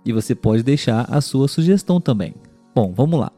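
A man with a Brazilian Portuguese accent hosting a podcast pronunciation lesson, patiently repeating example words slowly and clearly for learners. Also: mid-range voice, animated, dark tone, no room sound, faint music behind. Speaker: language teacher and podcast host.

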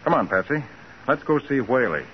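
An actor playing a dogged, authoritative private detective in a brisk, insistent 1940s radio crime drama style. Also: male voice, medium pitch, big pitch swings, loud music behind the voice, close to an everyday voice. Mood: determined, polite. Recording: muffled, noisy 1940s radio recording.

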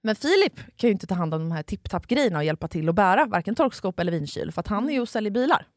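A woman's voice: medium pitch, big pitch swings, dry recording. A woman co-hosting a podcast, telling a long story in a casual chat and swearing freely. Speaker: podcast co-host.

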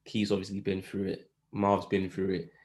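A man with an urban London roadman accent, chatting as a podcast guest and telling stories in animated, slangy fashion. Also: low voice, moderate pace. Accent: London, urban street slang. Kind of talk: casual podcast chat.

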